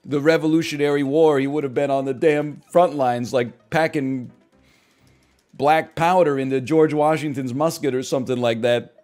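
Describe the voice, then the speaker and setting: Man in his thirties, animated streamer riffing. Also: medium pitch, moderate pace, faint music behind. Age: 30s. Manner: animated riffing, swings loud and quiet for bits. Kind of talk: casual gaming stream chat. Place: small room at home. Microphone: headset.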